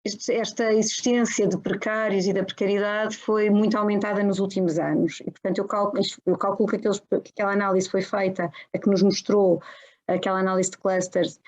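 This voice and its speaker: A woman's voice: mid-range voice, level tone, fairly quick, darkish tone. A woman asking questions at an academic seminar, polite and hesitant, with many fillers and restarts, on a dull, lo-fi recording. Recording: dull lo-fi sound.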